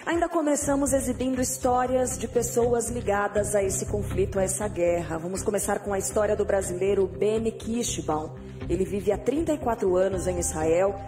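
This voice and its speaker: A woman news anchor reading a scripted introduction in a measured, formal way. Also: mid-range voice. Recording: music bed under the voice.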